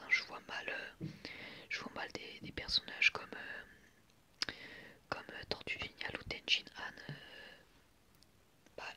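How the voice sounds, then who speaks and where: A young man whispering in a breathy, unvoiced voice as he gives ASMR commentary in a reflective, hesitant, rambling way. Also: sharp tone. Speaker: ASMR video creator.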